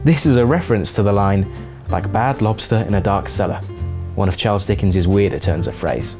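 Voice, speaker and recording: A man's voice: fairly low pitch, lively intonation, brisk, warm tone, soft background music. A man reading scripted narration as the narrator of a video essay.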